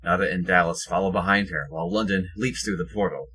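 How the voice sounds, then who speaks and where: A man's voice: sits low, fast, bright, forceful tone, husky. A man reading scripted present-tense action narration for an audio drama.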